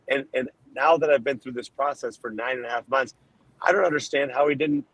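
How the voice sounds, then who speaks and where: A man from Colombia, a political candidate answering interview questions in emphatic, rapid-fire lists of points. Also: medium pitch, a bit bright, dry recording, rough recording. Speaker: Senate candidate, guest.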